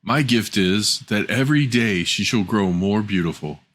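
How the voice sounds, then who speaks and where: A man's voice: lowish voice, expressive, normal speed, fairly bright tone. Male narrator as little dwarf man, fairy-tale storybook, plain-spoken, direct. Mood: kindly. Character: three little male dwarves of the wood.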